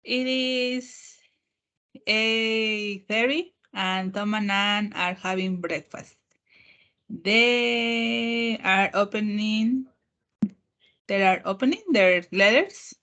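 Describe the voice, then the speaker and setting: A woman student in an online lesson, reading English aloud in a hesitant, halting way. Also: mid-range voice, fairly bright tone. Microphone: video call.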